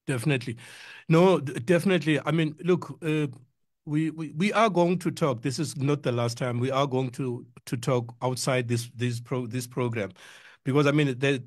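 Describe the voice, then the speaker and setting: A middle-aged South African man hosts a music interview on community radio. His sound is dry and close, with a mid-pitched voice. He talks casually, circling around his point and doubling up words for emphasis. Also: no room sound. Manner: rambling, repeats words for emphasis.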